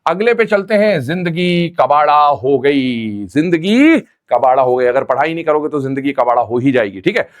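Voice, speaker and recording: A man teaching chemistry in a classroom-style lecture, repeating memory tricks slowly and calling his students "beta". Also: on the high side.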